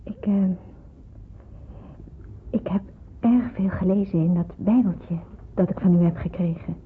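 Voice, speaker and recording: An actress in a Dutch radio drama playing an earnest, searching young Jewish woman in hiding, hesitant and reflective, with a husky, breathy voice. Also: mid-range voice, measured pace, slight background noise, close to an everyday voice. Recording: muffled, phone-like radio play recording.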